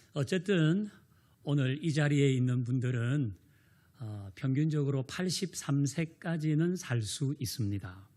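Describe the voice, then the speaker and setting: Against a quiet background, a man talks at a very slow pace in a dark, mellow, somewhat breathy voice with lively intonation. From South Korea. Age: 50s. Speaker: pastor. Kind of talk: sermon.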